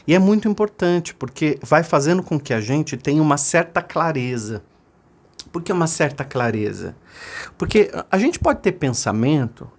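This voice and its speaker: Brazilian male self-help speaker; very expressive pitch, energetic and conversational. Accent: Brazilian Portuguese. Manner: animated storytelling, acts out voices in his stories. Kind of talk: motivational talk.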